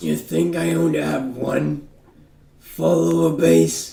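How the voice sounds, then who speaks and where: Putting on a character voice, a man rasps at a fairly slow pace in a very deep, low pitch, with a slight echo around him. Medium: actual play. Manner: cold, imperious.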